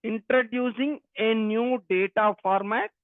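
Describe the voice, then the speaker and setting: This is a programming teacher from Telangana, a native Telugu speaker with a Telugu Indian English accent, whose high voice holds a steady tone at a measured pace. In his interactive online technical lecture he repeats phrases and questions and often speaks to students. There's no room sound, and the audio comes through a narrow, phone-like line.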